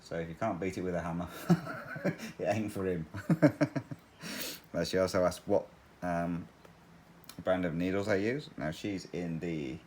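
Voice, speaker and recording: A very deep-voiced man chats while he stitches, in a loose, rambling way. He laughs often and drifts off topic. A faint hiss of noise sits under his voice. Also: a little slow, darkish tone. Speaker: cross-stitch channel host. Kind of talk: casual chat while stitching.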